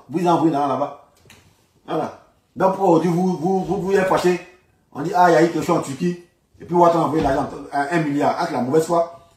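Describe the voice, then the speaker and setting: A man's voice: fairly high pitch, a little mellow. A man with an Ivorian accent giving informal political commentary, colloquial and repeating phrases for emphasis. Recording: echoey room, distant from microphone.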